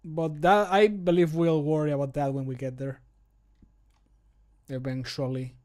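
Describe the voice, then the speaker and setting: A man's voice: a little high, little pitch movement, measured pace, a little mellow. A man in his thirties chatting casually as a streamer while he works. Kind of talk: casual chat while recording voice lines. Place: small home room.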